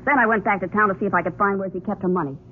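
A woman's voice: medium pitch, fairly even intonation, racing, close to an everyday voice. A woman playing a tough, defiant young American dancer turned killer, slangy and hard-boiled, in a 1940s radio crime drama. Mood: sullen confessing. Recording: noisy, narrow-band 1940s radio recording.

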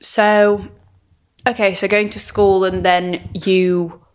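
A woman hosting an interview, asking questions and giving steady short affirmations. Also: mid-range voice, slow pace, clear, resonant tone. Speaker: podcast host.

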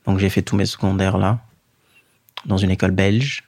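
A man in his thirties from Guinea, a native Fula speaker, telling his own story as an interview guest in a measured way with many pauses and fillers. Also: sits low, flat delivery, a little mellow, no echo. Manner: measured, pausing often with fillers. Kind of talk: reflective personal storytelling.

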